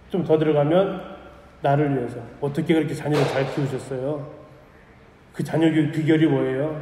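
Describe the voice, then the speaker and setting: A middle-aged man with a high but mellow voice lectures church teachers. He asks questions and answers them himself, and his voice rings out in an echoey hall with a long reverb. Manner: acts out parents' remarks in quotes.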